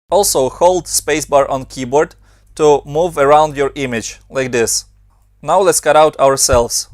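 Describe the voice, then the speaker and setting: A young man from Ukraine with a Ukrainian accent, calmly talking through a software tutorial step by step. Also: a little high, no room sound, clean studio sound. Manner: steady step-by-step instructions in non-native English. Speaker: motion design tutor. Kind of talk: screen-recorded software tutorial.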